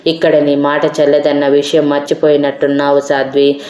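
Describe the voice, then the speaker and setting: A woman's voice: low voice, completely flat delivery, moderate pace, darkish tone, close to an everyday voice. A stern angry young man, as a woman reads him. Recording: roomy echo.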